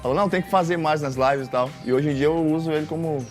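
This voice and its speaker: A man from Maranhão, a gospel singer guest on a studio talk show, relaxed and casual as he tells his story. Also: on the high side, quick pace, faint music behind. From Maranhão, Brazil. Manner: relaxed storytelling, uses "galera" and "cara". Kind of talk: casual testimony interview.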